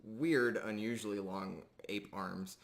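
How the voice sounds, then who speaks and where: A man's voice: fairly low pitch, steady tone, takes it slowly, vocal fry. A man improvising narration as game master of a tabletop game, describing scenes in short, hesitant pieces.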